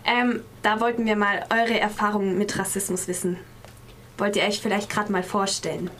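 A woman interviewer asks her guests questions at a middle pitch. She speaks casually and leans on fillers as she shapes each question. A faint room ambience sits behind her. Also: level tone, normal speed, fairly bright tone, a little hiss or hum.

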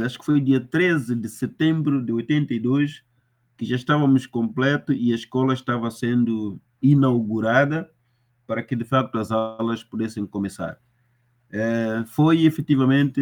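Mozambican man in his fifties, interviewee, measured and hesitant, mid-pitched. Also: a little mellow. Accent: Mozambican Portuguese. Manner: hesitant, many fillers and restarts, measured. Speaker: interviewee, former student. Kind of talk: reflective interview recollection.

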